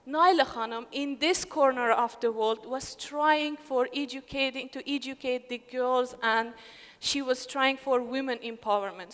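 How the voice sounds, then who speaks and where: A young woman from Afghanistan giving an earnest, emotional speech at a ceremony, often halting and restarting her words. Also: sits high. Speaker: scholarship recipient speaker. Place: hotel ballroom. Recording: long reverb of a large hall.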